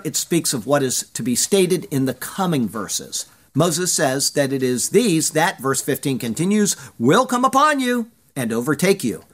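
Guy preaching a bible sermon, kinda higher voice, slow and emphatic on the verses. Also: fairly bright tone. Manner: measured, emphatic reading of scripture quotes.

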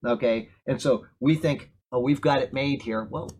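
A man's voice: medium pitch, normal speed, darkish tone, slightly rough. Chatty pastor in his fifties. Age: 50s. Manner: conversational, keeps asking "okay?". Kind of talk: sermon.

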